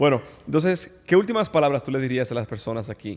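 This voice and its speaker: This is a man speaking. He goes at a very fast pace. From Dominican Republic. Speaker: podcast host. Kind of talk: podcast interview.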